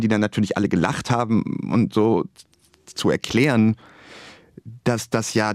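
Man, forties, stuttering, thoughtful, low voice, dry studio mic. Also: a little mellow, no room sound. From Bremerhaven, Germany. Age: 40s. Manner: stuttering, reflective. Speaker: author and journalist guest. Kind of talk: radio interview.

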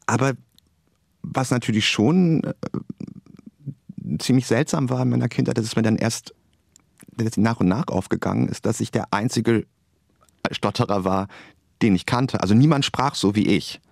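A man's voice: mid-range voice, normal speed, vocal fry, long pauses, dry recording, studio quality. A man in his forties from northern Germany, a stuttering author speaking reflectively in a radio interview. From Bremerhaven, Germany. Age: 40s. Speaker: author and journalist guest.

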